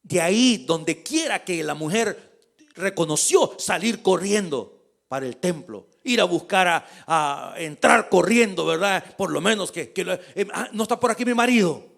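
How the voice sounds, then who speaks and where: A man preaching a lively, conversational sermon as pastor. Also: high voice, a little slow, gravelly.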